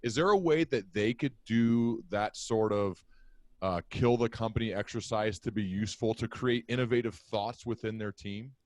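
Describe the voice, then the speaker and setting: A man's voice: on the low side, normal speed, no echo. A man in his thirties hosting a podcast, asking long, curious questions with many restarts over a video call. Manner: rambling, curious, frequent restarts. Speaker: podcast host. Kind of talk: interview questions. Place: home office, indoors. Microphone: studio mic, video call.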